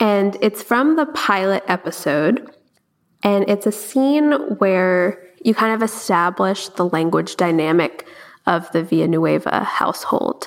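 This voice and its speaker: The speech moves at a fairly slow pace with lively intonation. Its loudness stays very even. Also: woman, medium pitch for a woman. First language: Telugu. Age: 20s. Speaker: medical resident. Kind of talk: casual conversational advice session.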